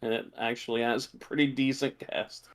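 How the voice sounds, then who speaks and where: A man co-hosting a casual film discussion in a low-key, laconic manner. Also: fairly even intonation, moderate pace. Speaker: podcast co-host.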